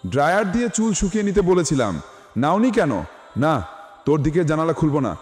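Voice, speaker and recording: A man's voice: on the high side, big pitch swings, a little fast, darkish tone. A man voicing a strict, bossy young man in a storybook, scolding and giving orders. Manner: scolding, commanding. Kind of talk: storybook character voice. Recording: reverberant with music behind.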